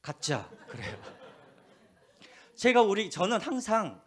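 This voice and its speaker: A pastor preaching a sermon, telling stories with a lively voice and dropping to quiet asides, with a faint Jeolla accent. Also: male voice, high-pitched, takes it slowly. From Korea, Gwangju. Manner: animated storytelling, drops to hushed asides. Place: church.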